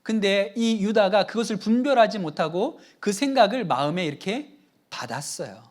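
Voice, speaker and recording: Male pastor, sermon at an evening church service. Lively, wide-ranging pitch and conversational delivery. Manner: conversational preaching, acts out quoted voices.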